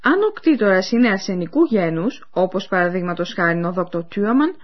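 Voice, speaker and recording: A woman presenting a radio language course, explaining clearly and speaking to listeners in scripted educational narration. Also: mid-range voice, animated. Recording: dull lo-fi radio recording.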